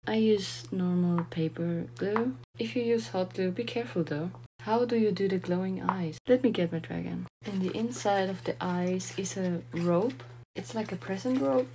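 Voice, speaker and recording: A young woman from Austria, a German speaker, calmly answering viewer comments about her paper dragon puppets in plain, slightly halting English. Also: medium pitch, a little hiss or hum.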